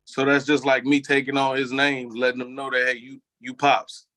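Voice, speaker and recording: A man's voice: mid-range voice, level tone, moderate pace, bright, forceful tone, no room sound. A man from Memphis, a guest in a casual interview who speaks frankly and reflectively. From Memphis, Tennessee.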